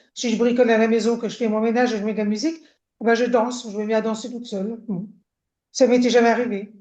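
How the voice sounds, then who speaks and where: A woman's dark, mellow tone at a fairly quick pace. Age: 60s. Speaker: customer giving testimonial. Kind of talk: testimony. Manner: hesitant, repetitive.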